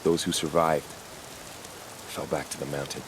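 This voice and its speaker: A man playing an earnest, battle-weary young tribal warrior in a video game, solemn and deliberate. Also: extremely low pitch, little pitch movement, background noise. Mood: somber. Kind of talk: video game cutscene acting.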